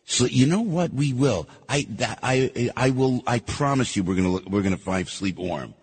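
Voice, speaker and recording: A man's voice: mid-range voice, normal speed, a little mellow, husky, long reverb tail. A man hosting a radio show in casual chat, effusive and grateful toward callers. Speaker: radio host.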